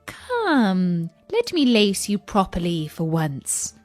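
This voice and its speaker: A woman's voice: medium pitch, huge pitch swings, takes it slowly, darkish tone, no echo, soft background music. A woman voicing a wicked queen disguised as an old peddler woman, calling out her wares in a wheedling sing-song.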